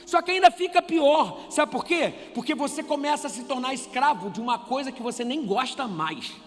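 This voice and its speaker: A man with a Brazilian Portuguese accent preaching a sermon, animated and conversational, asking the congregation rhetorical questions. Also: extremely high pitch, moderate pace. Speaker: pastor. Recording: reverberant church hall with faint music.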